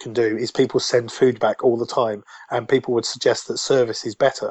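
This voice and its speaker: Speaking fairly quickly, a man comes across with an English accent. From England. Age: 40s. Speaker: learning and development facilitator. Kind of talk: interview.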